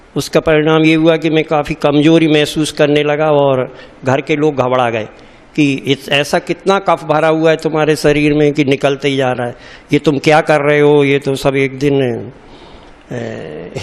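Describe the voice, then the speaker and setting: His pitch is fairly high for a man. The intonation stays fairly even. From Madhya Pradesh, India (Pipariya, Hoshangabad). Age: 60s. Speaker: teacher, diet camp participant. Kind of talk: testimony. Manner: halting.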